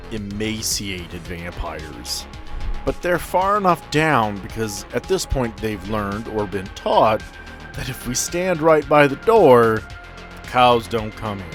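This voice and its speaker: A man narrating a tabletop role-playing game as game master. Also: fairly low pitch.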